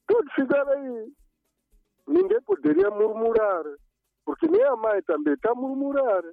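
A man's voice: very high voice, very animated, moderate pace, creaky, no room sound, faint music behind. Emphatic male caller on phone line. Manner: emphatic, repetitive, preachy. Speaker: radio caller. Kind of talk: phone-in call.

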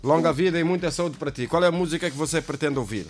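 Radio host, chatty and friendly. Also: male voice, on the high side, quick pace, faint music behind. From Mozambique. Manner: friendly, chatty, repeats callers' words. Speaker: radio host taking calls. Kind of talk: call-in radio show.

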